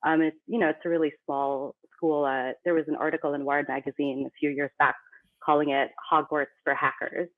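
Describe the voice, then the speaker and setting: A woman's voice: low voice, little pitch movement, brisk. A woman from the Philippines, a company CEO, talking casually as a podcast guest in a chatty, self-deprecating way. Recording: tinny phone-like remote line.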